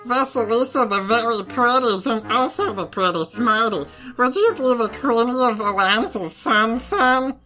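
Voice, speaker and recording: Melodramatic silly royal, female performer, fantasy audio comedy. Grand, hammy, sharp-edged, very animated. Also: a little high, measured pace, few pauses, faint music behind, rough recording. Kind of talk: audio drama comedy acting.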